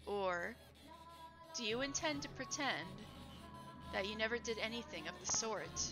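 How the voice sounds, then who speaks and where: A cold, sneering taunting voice. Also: female voice, a little high, lively intonation, over music, rough recording. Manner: slow, sneering, quiet. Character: cold mocking inner voice, cruel and taunting.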